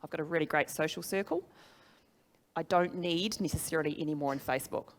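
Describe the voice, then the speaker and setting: A middle-aged woman with a New Zealand accent speaks in a fairly low register. She presents like a business trainer, chatty yet emphatic. She often turns to her listeners with questions. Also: fast talker. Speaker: social media trainer and speaker. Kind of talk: motivational business presentation to a live audience.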